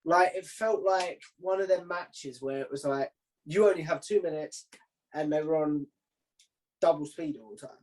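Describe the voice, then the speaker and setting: A man's voice: a little high, normal speed, a little mellow, rough recording. A man hosting a casual podcast interview, chatting informally, offering his opinions and thinking aloud as he goes.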